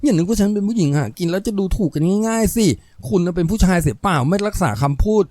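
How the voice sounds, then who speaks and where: A man's voice: sits high, animated, quick pace, a little mellow, no room sound, voice pushed up. A man voicing a poor young woman of the night in a story, plaintive and wheedling. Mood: indignant. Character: young, poor, pleading female prostitute, a mother.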